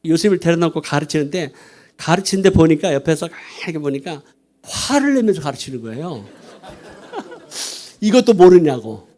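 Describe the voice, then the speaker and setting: Man, middle-aged, pastor, high voice, sermon, storytelling, quoted dialogue. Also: lively intonation, normal speed, darkish tone.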